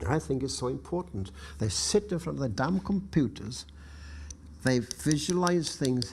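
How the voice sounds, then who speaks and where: Over noticeable background noise, a man speaks at medium pitch and a moderate pace with very wide pitch swings. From Wales. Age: 70s. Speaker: stone carver. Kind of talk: instructional explanation while working. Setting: workshop. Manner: calm, gentle.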